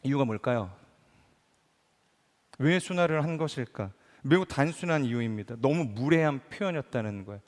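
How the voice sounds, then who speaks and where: A middle-aged male pastor delivering a conversational sermon, full of rhetorical questions, who acts out the people he quotes. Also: medium pitch. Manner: acts out quoted speakers in changed voices. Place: large church hall. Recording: long hall reverb.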